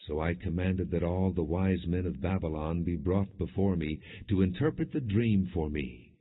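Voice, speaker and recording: Deep husky guy doing solemn bible audiobook narration, kinda muffled recording. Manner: measured, solemn reading. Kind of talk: scripted scripture narration, non-dramatized.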